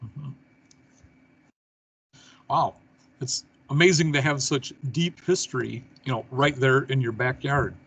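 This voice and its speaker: A man's voice: mid-range voice, steady tone, a little slow, gravelly, long pauses, a bit bright, breathy edge, poor audio. A man hosting an interview show, with scripted announcements and casual questions.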